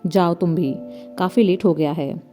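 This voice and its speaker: A woman doing a strict, protective mom scolding her kids, warm mellow tone, soft music behind. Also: lowish voice, normal speed, natural voice. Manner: scolding, firm. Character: scolding, protective middle-aged mother. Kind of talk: storybook narration.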